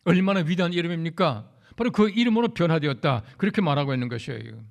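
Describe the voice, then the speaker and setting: A man's voice: on the high side, animated, fast talker, vocal fry. A man preaching a conversational sermon as a pastor, telling anecdotes and speaking directly to the congregation. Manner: recounts anecdotes with acted quotes. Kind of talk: storytelling sermon.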